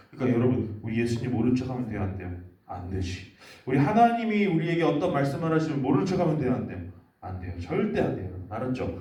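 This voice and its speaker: A man's voice: mid-range voice, warm tone, roomy sound, distant mic. A man giving a children's sermon, telling a story and quizzing the kids with questions. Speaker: children's ministry preacher.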